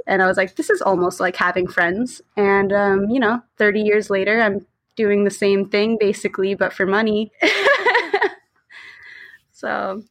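A woman's voice: mid-range voice, fairly bright tone. A woman in her thirties from Long Island with an American accent and Spanish as her first language, telling stories casually as an interview guest. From Long Island, New York, United States. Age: 30s. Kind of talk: casual conversational storytelling.

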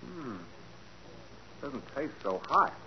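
An actor playing a flippant, greedy nephew in a glib 1940s radio drama style. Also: male voice, medium pitch, big pitch swings, takes it slowly. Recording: dull 1940s radio recording, faint noise.

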